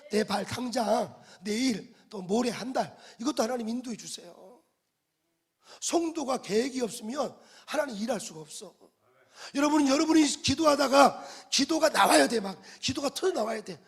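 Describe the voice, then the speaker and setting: A middle-aged male pastor preaching a sermon, animated, with sudden loud bursts and call-and-response with the congregation. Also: very high voice, husky.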